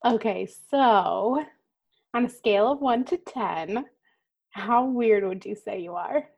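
Woman co-host, higher pitch; enthusiastic, upbeat interviewer. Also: slow pace, creaky, darkish tone, breathy edge. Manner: upbeat, enthusiastic, laughs along. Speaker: podcast co-host. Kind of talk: casual interview chat.

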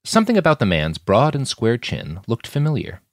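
A man reading scripted audiobook narration in a measured storytelling way. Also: mid-range voice, huge pitch swings, no echo, studio quality.

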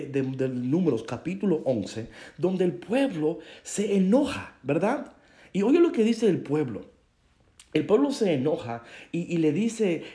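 Mellow-voiced male preacher, emphatic sermon. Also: on the high side. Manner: addresses listeners directly, mixes in English phrases; emphatic, repeats words.

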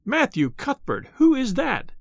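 A man reading aloud and voicing a brisk, stern older farm woman with a sharp, clipped, no-nonsense manner. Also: very high-pitched, huge pitch swings, vocal fry, no echo, studio quality, voice pushed up, heavily acted. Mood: astonished.

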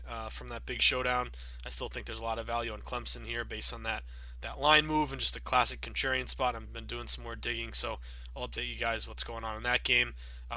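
Man, 30s, podcast host, slightly raspy from a cold, chatty, fillers, bright voice, dry close sound. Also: medium pitch, dry recording. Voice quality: upbeat, chatty with many fillers. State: sick with a cold, a bit raspy. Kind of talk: casual sports betting podcast monologue.

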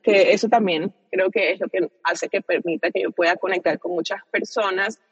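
A woman's voice: lowish voice, fairly even intonation, normal speed, slightly rough, no echo, long reverb tail, highs cut off. Colombian coastal woman, dry close voice. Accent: Colombian Caribbean coast. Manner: reflective, frequent fillers and restarts. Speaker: guest. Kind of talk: casual interview conversation.

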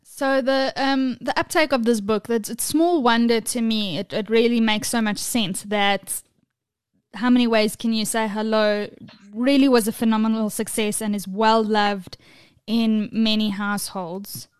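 A woman's voice: a little high, fairly even intonation, measured pace, smooth, no room sound. A woman hosting a podcast interview, affirming the guest and asking questions. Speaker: podcast host. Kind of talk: casual interview chat.

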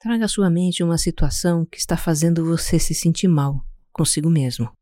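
A Brazilian-accented speaker guiding a meditation in a calm, soothing, unhurried way, leaving pauses between instructions. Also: medium pitch, no echo, clean studio sound. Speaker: podcast host guiding a meditation. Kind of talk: slow guided meditation narration.

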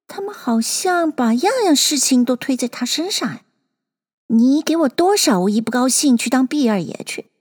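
A woman's voice: sits high, animated, normal speed, a little mellow, voice pushed up. A woman doing a spirited young girl. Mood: musing. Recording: long hall reverb.

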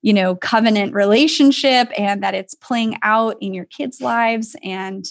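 A woman's voice: mid-range voice, unhurried, vocal fry. A woman hosting a faith-based interview, reflective and encouraging as she draws out her guest. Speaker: podcast host.

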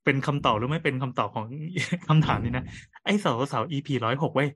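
A man's voice: mid-range voice, brisk, background noise. A man in his thirties co-hosting a podcast, chatting casually with friends in joking, slangy banter. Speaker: podcast co-host. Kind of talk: casual chat among friends.

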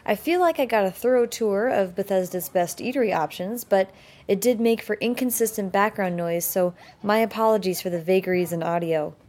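A woman podcast host narrating a scripted introduction with a measured, upbeat delivery. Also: medium pitch, darkish tone.

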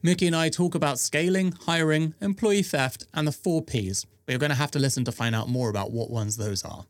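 A man's voice: on the high side, a little fast, no room sound. A man hosting a podcast, reading an upbeat scripted intro and then asking loose conversational questions. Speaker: podcast host.

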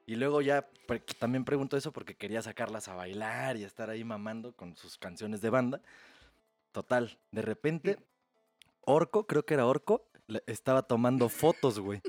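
A man with a Mexican Spanish accent telling a crude, animated story on a casual podcast. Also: medium pitch, normal speed, soft background music. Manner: crude slang-heavy, animated retelling. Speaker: podcast host.

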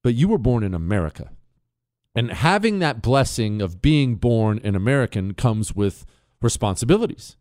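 A man's voice: mid-range voice, big pitch swings, normal speed, a little mellow. A man hosting a talk radio show, ranting in mock outrage and teasing his co-host. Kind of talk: opinionated talk radio monologue.

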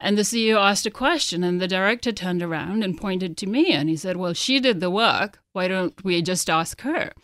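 A woman's voice: mid-range voice, normal speed, few pauses, fairly bright tone, no echo. A woman in her forties from Denmark, talking as a guest in an interview, thoughtful and full of small restarts and "you know". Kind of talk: conversational interview.

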